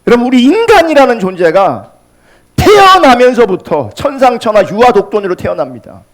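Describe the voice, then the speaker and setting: A male pastor preaching a sermon with passion, swinging between loud, urgent peaks and hushed, quiet lines. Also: very high-pitched, sing-song, normal speed.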